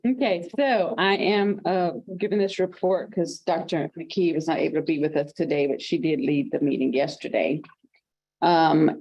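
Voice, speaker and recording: Woman reading a committee report, mellow voice. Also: deep voice, highs cut off. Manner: reads from notes with fillers and small restarts. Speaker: committee member giving a report.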